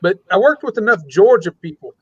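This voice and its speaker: A married man in casual chat, musing in a relaxed way. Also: sits high, brisk, slightly rough, no room sound, highs cut off.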